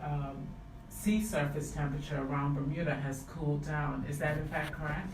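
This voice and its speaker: A man hosting a radio broadcast, asking interview questions in a polite, formal and deliberate way. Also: fairly high pitch, fairly even intonation. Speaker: broadcast host. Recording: echoey room, distant mic, clear noise.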